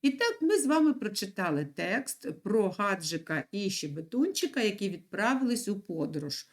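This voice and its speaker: A woman teaching young children in an online lesson, speaking slowly and clearly and repeating words for them to write down. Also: mid-range voice, very animated. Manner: patient, slow and clear, repeats words for dictation. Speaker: primary school teacher.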